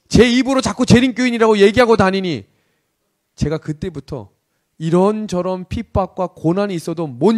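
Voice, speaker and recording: A man preaching a sermon, telling a personal story and often asking the congregation questions. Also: fairly high pitch. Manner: storytelling, acts out shouted army commands. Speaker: pastor.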